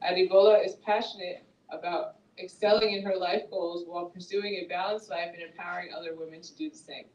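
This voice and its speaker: A woman's voice: fairly low pitch, a little mellow, dull audio, a little hiss or hum. A woman hosting a small book event, upbeat and laughing as she introduces the author. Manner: upbeat, laughs often, reads the bio. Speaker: event host. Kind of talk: introducing a guest speaker. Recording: echoey room from a distance.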